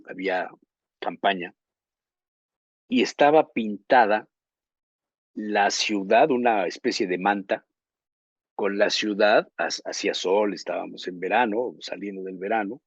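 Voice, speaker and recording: Husky-voiced Mexican male co-host with a lowish voice, rambling story-teller, dry muffled sound. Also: no echo. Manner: rambling anecdotes, searching for words, laughing. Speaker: journalist co-host. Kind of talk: casual talk show chat.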